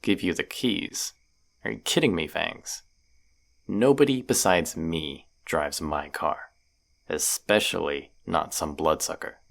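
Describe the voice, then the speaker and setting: A man's voice: sits low, vocal fry, exaggerated voice. A man playing a stubborn, injured vampire hunter in an audio drama, grumbling sarcastic banter. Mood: grudging, exasperated. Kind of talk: scripted roleplay audio drama.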